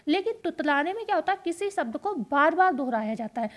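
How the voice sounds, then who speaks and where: A woman with a high, light voice gives an exam-prep lesson. She explains each point step by step and drills the key facts by asking a question and answering it herself. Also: expressive, fast talker. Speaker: teacher.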